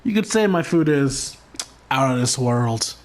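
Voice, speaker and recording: Brief: deep-toned woman gamer, playful sarcastic commentary, lively swings in pitch. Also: measured pace, very noisy. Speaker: gameplay streamer. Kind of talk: joking commentary over gameplay. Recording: voice over game music.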